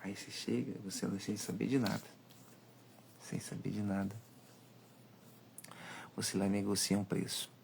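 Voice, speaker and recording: Um homem com sotaque brasileiro, falando em uma live de conselhos, em tom enfático e de sermão. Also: male voice, fairly low pitch, level tone, moderate pace, vocal fry, pauses often, a little mellow, slight background noise. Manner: emphatic, preachy, acts out dialogues. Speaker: live-stream host. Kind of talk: live monologue, advice talk.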